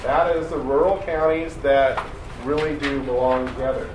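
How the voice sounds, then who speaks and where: A man's voice: mid-range voice, steady tone, normal speed. A man speaking matter-of-factly during public comment at a hearing. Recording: echoey room, far from mic, noisy.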